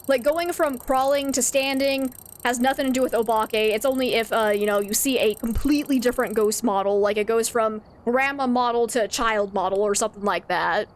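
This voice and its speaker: A woman streaming a video game, chatting casually with her viewers, laughing often and reading out their messages. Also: fairly high pitch. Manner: chatty, laughs often, reads chat aloud. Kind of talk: casual gameplay stream chat.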